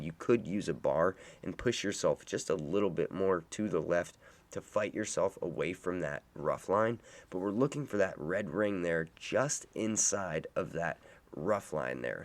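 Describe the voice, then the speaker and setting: A man with a low voice, hoarse and raspy from being sick, talks viewers through a game course. His delivery is steady and instructive, like a friendly guide. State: hoarse from illness. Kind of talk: casual gameplay walkthrough commentary.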